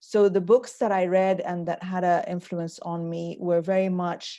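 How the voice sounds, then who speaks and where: A woman's dark, mellow voice with an Arabic accent, fairly low in pitch, at a fairly slow pace over a quiet background. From Sudan. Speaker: novelist. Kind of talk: interview. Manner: halting, many repetitions.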